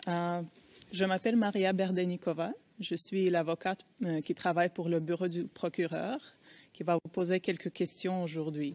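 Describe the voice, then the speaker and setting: A woman with a non-native accent, fairly low-pitched, at a fairly slow pace and with fairly even intonation, in a dry, close sound with no echo over a quiet background. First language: not French (speaking French). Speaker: prosecution lawyer. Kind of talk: courtroom witness examination. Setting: courtroom. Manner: halting, many hesitations in French.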